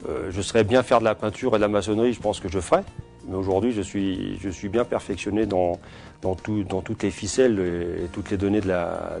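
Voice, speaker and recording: A man in his forties, born in Portugal, with a very low voice. He answers interview questions slowly and haltingly, restarting phrases and filling pauses. Soft music sits faintly under his speech. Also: creaky. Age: 40s. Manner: hesitant, many fillers and restarts. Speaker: security company owner.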